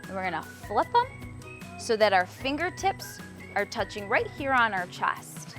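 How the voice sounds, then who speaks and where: Cheerful woman teaching kids sign language. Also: a little high. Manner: cheerful, encouraging instructions. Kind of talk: children's lesson. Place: public access TV studio.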